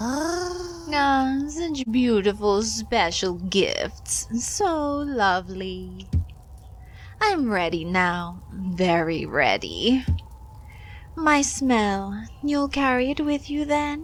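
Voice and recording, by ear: A put-on character voice plods along at a very slow pace over clear background noise.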